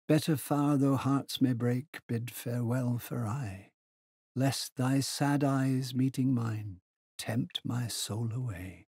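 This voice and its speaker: A man voicing a stiff, easily affronted literary gentleman in a novel, with an affected, hesitant manner. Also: mid-range voice, steady tone, slow pace, husky, no room sound, studio quality, pitched above the performer's own voice. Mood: earnest, rapt.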